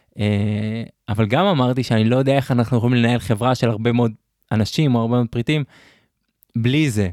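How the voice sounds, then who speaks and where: A man talks at a very fast pace in a medium pitch, with ordinary pitch variation and very even loudness, yet leaves long, frequent pauses. The recording is very clean with a silent background and a dry, close sound with no echo. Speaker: podcast host. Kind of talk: casual chat.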